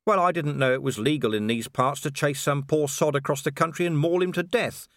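A man's voice: a little high, fairly quick, no echo, clean studio sound, pitched above the performer's own voice. A man voicing a grim, furious middle-aged city watch commander in an audiobook, growling and bitter. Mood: bitter, angry. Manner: growling, bitter, raised and forceful. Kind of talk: audiobook character reading.

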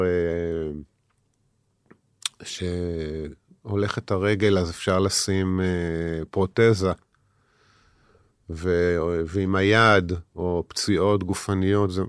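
A man in his fifties talks in an interview, slowly and earnestly, stopping often to restart his sentences. His voice sits very low and sounds smooth and clear. The sound is dry and close. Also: dry recording. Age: 50s. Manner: halting, many hesitations and restarts; earnest, heavy. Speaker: guest, author and army veteran. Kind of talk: personal interview talk.

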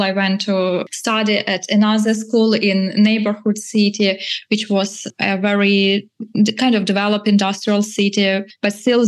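Flat-voiced historian searching for words. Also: female voice, medium pitch. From eastern Ukraine. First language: Ukrainian. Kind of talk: interview answer.

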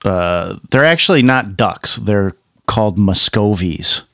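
A lowish male voice, dry and close with no room sound, from a podcast co-host who is a little under the weather. He tells his stories plainly and matter-of-factly. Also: lively intonation, takes it slowly, creaky, a bit bright, no echo. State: a little sick.

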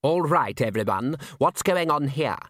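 A man's voice: fairly high pitch, lively intonation, measured pace, a bit bright, no room sound, clean studio sound, voice pushed up. Man playing an imposing, sardonic organiser. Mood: commanding. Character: imposing male organiser, brisk, sardonic and commanding.

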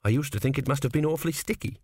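A man's voice: medium pitch, racing, darkish tone, no echo, pitched above the performer's own voice, lightly acted. A man voicing an earnest, naive young prince who sounds anxious and a little pleading in an audiobook. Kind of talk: audiobook character voice.

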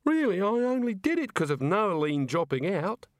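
A man reading an audiobook who voices a polite, ordinary young woman, high-pitched, earnest and tearful. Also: very animated, moderate pace, no echo, studio quality. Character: plain polite young woman, weepy and apologetic.

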